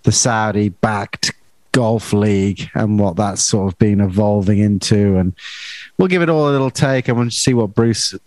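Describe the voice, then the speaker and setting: Man, podcast host, fairly low voice, dry close sound, brisk teasing chat. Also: a little mellow, dry recording. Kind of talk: casual chat.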